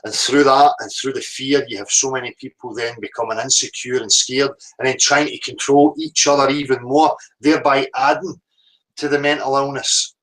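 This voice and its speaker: A man's voice: mid-range voice, steady tone, moderate pace, a bit bright, low-quality recording. A man with a Northern Irish accent hosting a live stream, musing in a rambling, reflective way with casual swearing and an easy, unscripted flow.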